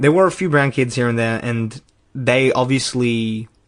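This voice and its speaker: Moderately paced speech from a man with an Australian accent. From Australia, Nepalese family. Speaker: podcast co-host. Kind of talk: casual chat. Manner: halting.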